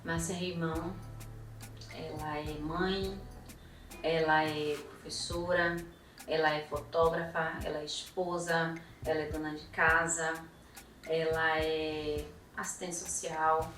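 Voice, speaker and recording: Low, slow woman in an echoey room. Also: little pitch movement, a bit bright. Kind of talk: measured self-introduction in third person. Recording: echoey, distant mic, music behind.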